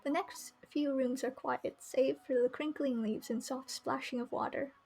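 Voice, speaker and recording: A woman's voice: high voice, fairly even intonation, moderate pace, darkish tone, a little hiss or hum. A woman streaming a game, reading its narration aloud and commenting as she goes, with music behind her.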